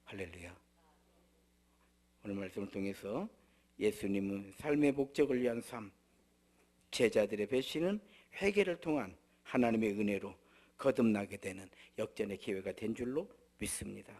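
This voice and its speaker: A man preaching a sermon as pastor, swinging between loud exclaiming and soft near-whispers, sometimes acting out blunt scolding voices. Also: lowish voice, lively intonation, normal speed. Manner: acts out blunt scolding voices in regional dialect. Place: church.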